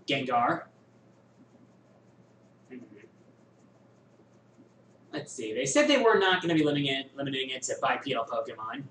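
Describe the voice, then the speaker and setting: A man hosting a viewer question show, musing and thinking aloud with many pauses in casual chat. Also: mid-range voice, lively intonation, fairly bright tone, recorded from a distance, a little hiss or hum. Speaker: host answering viewer questions. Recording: echoey room, voice a bit off-mic, faint ambience.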